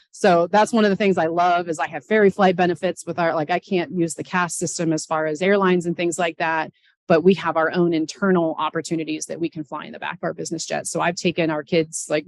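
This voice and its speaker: A middle-aged woman with a gravelly, fry-edged voice talks on a panel. She is chatty and easygoing. The sound is dry and close. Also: deep voice, no echo. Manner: chatty, laughs between points. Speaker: pilot and mother on a panel. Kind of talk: casual panel talk.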